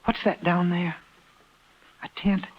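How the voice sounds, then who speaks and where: A timid, bashful ship passenger. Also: male voice, sits high, little pitch movement, takes it slowly, a little hiss or hum. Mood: nervous. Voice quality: soft, hesitant, timid. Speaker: lead actor. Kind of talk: 1950s radio drama acting. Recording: muffled old 1950s radio broadcast.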